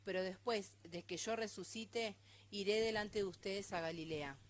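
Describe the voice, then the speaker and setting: A woman reading a Bible passage aloud in a steady, measured way during a church service. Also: mid-range voice. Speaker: scripture reader.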